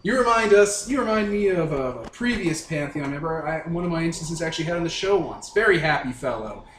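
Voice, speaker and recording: A man playing a breezy, flattering radio talk-show host who chats indulgently with his guests in a showman's patter. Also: a little high, brisk, roomy sound, a little hiss or hum. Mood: indulgent, upbeat. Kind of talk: radio interview role-play.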